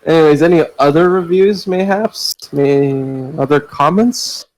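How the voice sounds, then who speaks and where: A man's voice: a little high, unhurried, rough recording. A man hosting a podcast in a casual group chat, joking in a crude, exaggerated way. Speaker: podcast host and reader.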